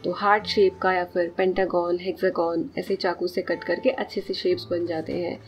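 A woman's voice: on the low side, flat delivery, moderate pace, soft background music. A woman in her thirties talking through a cooking recipe in a casual, explanatory vlog voice-over, walking through each step as she works. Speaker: cooking vlogger. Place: home kitchen.

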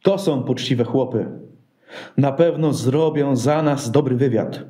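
A man's voice: mid-range voice, unhurried, warm tone, reverberant, lightly acted. A man playing a pompous, self-assured scheming king in a Christmas radio play. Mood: smugly reassuring.

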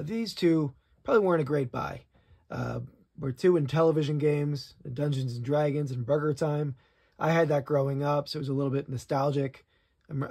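A middle-aged man talks through his flea market haul in a relaxed, plainspoken way. His voice sits a touch high, with a gravelly, husky texture. He sounds casual and chatty as he walks through each find. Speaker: reseller showing flea market finds.

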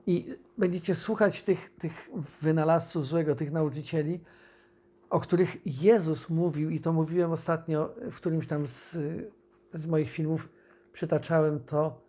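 A man preaching an informal video sermon, speaking conversationally with pauses and restarts and reading scripture aloud. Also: fairly high pitch, steady tone, dark tone.

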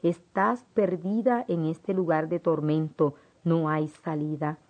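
A woman's voice: low-pitched, fairly even intonation, takes it slowly. A woman reading the lines of a despairing woman prisoner in a dull, lo-fi audiobook recording. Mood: hopeless. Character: hopeless woman prisoner in a cell.

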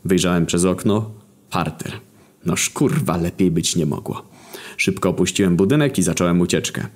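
Młody facet, niski głos, czyta pastę na luzie, sarkastycznie i z przekleństwami. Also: male voice, low-pitched, moderate pace. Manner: deadpan, sarcastic, profane. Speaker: story narrator. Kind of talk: scripted comic narration.

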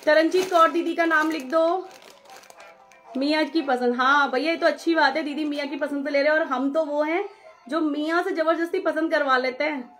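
Brief: young woman, high voice, live-stream seller, friendly and brisk, reads out viewers' names, mixes in English, soft music underneath. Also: steady tone. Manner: mixes English phrases into Hindi. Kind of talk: live-stream sales chat.

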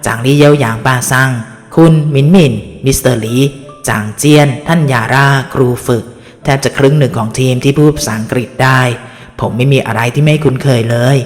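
Brief: narrator as a friendly Western explorer-scientist, unhurried and easygoing, audiobook. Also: male voice, mid-range voice, long reverb tail, faint music behind, lightly acted. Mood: cheerful. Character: foreign male zoologist, cheerful and easygoing.

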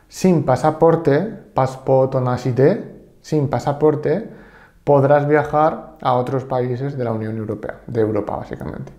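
A man with a Spain Spanish accent teaches a Japanese lesson, his voice dark and mellow. He explains patiently and repeats each example slowly. The sound carries a roomy echo. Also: medium pitch. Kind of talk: online language lesson.

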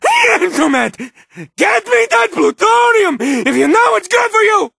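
Volatile, grovelling game villain: strained gravelly rasp, slow and halting, melodramatic. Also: male voice, very high voice, very animated, pushed and bright, no room sound, raised voice, clean studio sound, heavily acted. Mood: crazed anger. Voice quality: raspy, strained. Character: unhinged, obsessive cartoon villain scientist, grovelling and volatile. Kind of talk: animated video game character acting.

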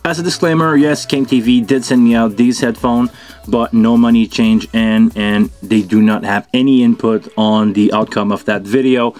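A middle-aged man hosts a casual product unboxing and review at a table in a small indoor studio. He thinks aloud informally while handling the gear. His mid-range voice is a little mellow, with fairly even intonation and normal speed, and faint music plays behind him.

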